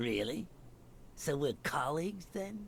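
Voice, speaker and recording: A man's put-on character voice, fairly high in pitch with very wide pitch swings, at a fairly slow pace over clear background noise. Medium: video game. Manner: smug.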